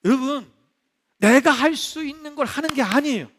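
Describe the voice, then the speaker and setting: A male pastor preaching a sermon in a church, animated, acting out the voices he quotes. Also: very high voice, normal speed. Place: church sanctuary. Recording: long reverb of a church hall.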